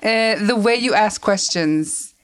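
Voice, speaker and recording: A podcast guest talks in a clear, resonant mid-range voice with no echo around it. Her manner is forceful and direct, and she flips from Norwegian to English and back mid-sentence during the relaxed chat.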